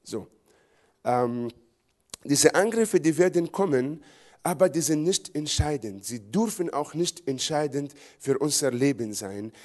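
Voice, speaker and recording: A man's voice: a little high, expressive, unhurried, a little mellow. A middle-aged man from Israel, preaching a sermon emphatically in repeated phrases. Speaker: pastor.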